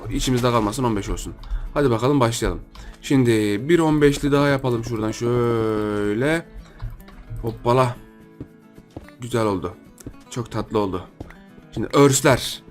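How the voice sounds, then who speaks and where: A man's voice: medium pitch, moderate pace, pauses often, faint music behind. A young man with a Turkish accent giving chatty gameplay commentary, thinking aloud and talking to his viewers as friends. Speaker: gaming YouTuber.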